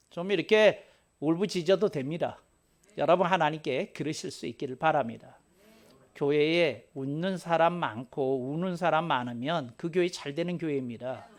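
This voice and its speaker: A man preaching a sermon as pastor, playful and lively, with laughs and acted asides. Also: on the high side.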